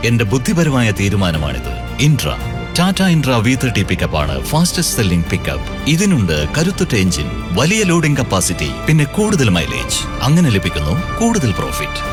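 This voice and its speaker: A man's voice: medium pitch, huge pitch swings, moderate pace. A man reading scripted commercial narration as a voice-over artist. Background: clear music.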